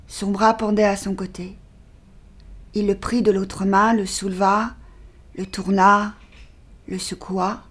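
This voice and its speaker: A woman performing a dramatic literary reading of a short story, measured and sinking to a near-whisper in grim passages. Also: mid-range voice, husky.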